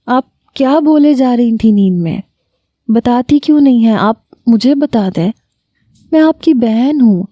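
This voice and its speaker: Gentle little sister asking soft questions, mellow voice, woman narrator doing her. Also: fairly high pitch, expressive, no echo, dull audio, pitched above the performer's own voice. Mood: worried. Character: caring younger sister, gentle and worried.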